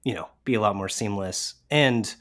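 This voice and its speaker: A man's voice: fairly low pitch, moderate pace, a bit bright. A man speaking as a guest on a podcast livestream in casual chat.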